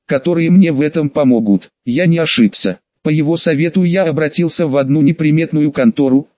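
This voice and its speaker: Male audiobook narrator, calm and measured, slightly high voice, dull lo-fi sound. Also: no echo. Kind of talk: first-person audiobook narration. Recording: dull, dry lo-fi recording.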